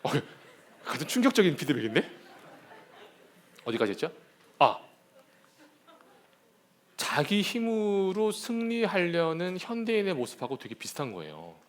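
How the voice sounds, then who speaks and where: A young man preaching a lively sermon to young people, telling stories and acting out the scenes. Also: high-pitched, measured pace, long pauses. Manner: animated storytelling, shouts and acts out scenes. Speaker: youth pastor.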